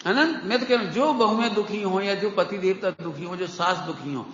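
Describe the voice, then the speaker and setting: A man giving a devotional sermon to a gathering, lively and questioning, repeating key phrases to his listeners. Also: high voice, normal speed. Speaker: Jain preacher. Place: large hall with an audience. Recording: echoey hall, dull lo-fi sound, faint hiss.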